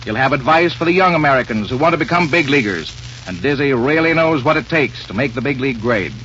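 Old radio announcer guy, smooth and formal, muffled lo-fi sound. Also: medium pitch, expressive, quick pace, fairly bright tone. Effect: old radio broadcast sound. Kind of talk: scripted radio announcing with sponsor lines. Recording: muffled old radio recording with faint hiss.

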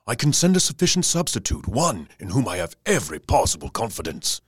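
An actor playing a gout-plagued, deferential solicitor reading out his formal letter in an audio drama, with a husky voice. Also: on the low side, big pitch swings, fairly quick, no room sound, studio quality. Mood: formal, regretful.

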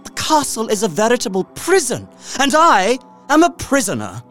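A man's voice: very high-pitched, huge pitch swings, moderate pace, music in the background, full character voice. An actor playing an uneasy young solicitor, narrating his journal formally and dramatically in an audio drama. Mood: panicked.

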